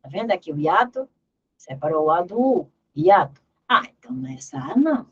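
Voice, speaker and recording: A woman's voice: fairly low pitch, sing-song, brisk, fairly bright tone, slightly rough, dull audio. A woman teaching an exam review lesson in Portuguese grammar, emphatic and repeating key words as she drills terms aloud.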